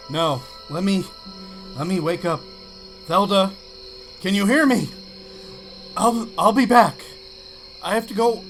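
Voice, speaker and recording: A man playing desperate young Howard, high-voiced. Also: a bit bright. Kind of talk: radio drama acting. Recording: music bed behind.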